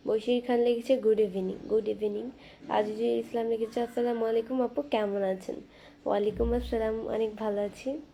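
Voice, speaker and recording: A young woman hosting a casual live stream from her phone, reading viewer comments aloud and chatting back in a soft, quiet voice. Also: on the high side, fairly even intonation, creaky, a little hiss or hum. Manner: soft-spoken, talking quietly and slowly. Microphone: phone camera.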